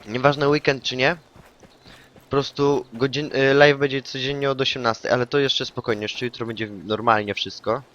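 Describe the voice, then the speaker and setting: A man streaming a shooter game, chatting casually with a teammate, swearing and yelling taunts when he scores kills. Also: medium pitch, moderate pace, muffled recording. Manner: excitable, swears, yells taunts in English on kills. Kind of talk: casual gaming chat with a teammate.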